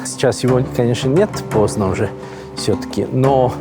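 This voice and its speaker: A man who is not a Russian speaker, a priest answering interview questions in a slow, thoughtful way with frequent pauses. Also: medium pitch, over music. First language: Italian. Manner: unhurried, thoughtful, frequent hesitations. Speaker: Orthodox priest and monk, interview guest. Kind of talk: reflective conversational answers.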